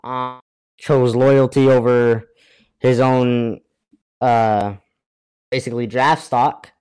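A man with a smooth, clean voice of average pitch talks sports casually. He co-hosts over a remote connection, giving his analysis. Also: steady tone, slow, a little mellow, poor audio. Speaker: podcast co-host.

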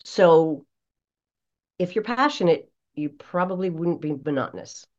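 A woman voice coach explains things in a conversational interview style. Her pitch sits a little low but swings in a very animated, emphatic way. The recording is slightly dull and lo-fi. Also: a little slow. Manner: expressive, emphatic, acts out examples. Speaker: voice coach, guest.

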